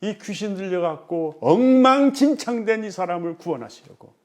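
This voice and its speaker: High-voiced male pastor preaching emphatically. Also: lively intonation, moderate pace. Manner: emphatic preaching with rhetorical questions, swinging between loud and hushed. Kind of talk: sermon.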